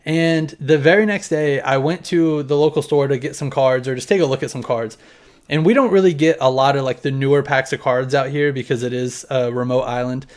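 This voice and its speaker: A man's voice: mid-range voice, brisk. Laid-back man in his thirties, rambling. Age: 30s. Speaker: collector showing his collection. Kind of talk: casual chat to camera. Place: home room with collection on display.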